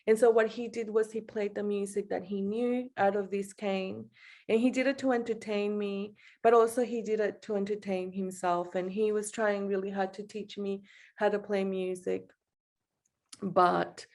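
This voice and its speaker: A woman from El Salvador giving an informal, personal artist's talk over a video call, halting and self-deprecating, often laughing as she speaks. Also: mid-range voice. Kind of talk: informal personal reflection in an online panel.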